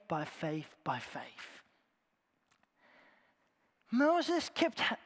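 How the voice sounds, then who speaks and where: Man preaching in reverberant church. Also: very high voice. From Iran. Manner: earnest storytelling, phrases trailing off softly at the ends. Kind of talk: sermon. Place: large church.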